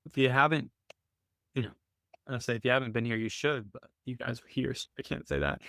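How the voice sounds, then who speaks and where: A man's voice: medium pitch, fairly even intonation, fairly quick, gravelly, sharp tone, dry recording, studio quality. Man hosting a casual trading call. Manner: conversational, thinks aloud with restarts and "right?" tags. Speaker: host of a weekly trading call. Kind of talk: casual live Q&A explanation.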